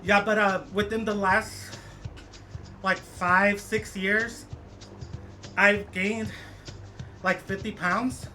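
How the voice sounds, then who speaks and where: A man in his late thirties rambles casually to his stream viewers as he cycles and plays, stopping and restarting with lots of fillers. His voice sits high for a man and sounds bright and forceful. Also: level tone, faint music behind. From United States. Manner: chatty, rambling, halting with many fillers. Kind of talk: casual chat with viewers while cycling and gaming.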